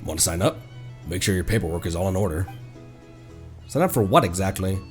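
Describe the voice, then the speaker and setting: A man's voice: low-pitched, animated, a little fast. A man livestreaming a game, playful and theatrical, reacting and reading dialogue aloud. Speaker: streamer. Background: faint game music.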